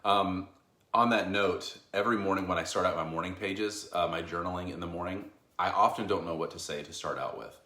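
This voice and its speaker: Very deep-voiced man co-host. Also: fairly even intonation, brisk, sharp tone. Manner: easygoing, rambling with many fillers. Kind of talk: casual chat. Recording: echoey room.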